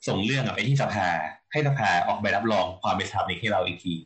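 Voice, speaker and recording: Casual Thai man explaining, lowish voice. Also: fast, fairly bright tone. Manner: hesitant, many fillers while explaining. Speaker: podcast co-host, architect. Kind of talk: casual chat, explaining permit rules.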